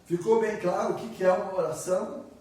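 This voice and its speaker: A man's voice: sits high, steady tone, quick pace, darkish tone. A man with a Brazilian Portuguese accent preaching a conversational sermon, acting out sample prayers and asking the audience questions. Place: church hall. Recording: echoey room from far off, faint noise.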